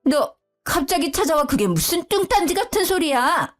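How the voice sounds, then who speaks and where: A woman voicing a sharp-tongued middle-aged mother-in-law in a storybook narration, nagging and whiny. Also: very high-pitched, very animated, moderate pace, faint music behind, pitched above the performer's own voice.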